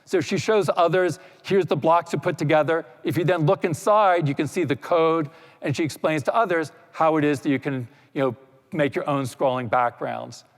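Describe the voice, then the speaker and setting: Man, conference talk, somewhat high voice, relaxed explaining, long hall reverb. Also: moderate pace. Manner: relaxed explaining with many "you know" asides. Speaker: panel speaker. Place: lecture hall.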